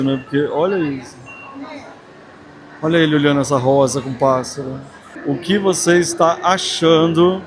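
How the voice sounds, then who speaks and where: Amid the clearly audible din of a big, busy craft fair, a Brazilian vlogger with a slightly high voice leads a casual walking tour. He addresses the people watching directly and speaks with effusive enthusiasm.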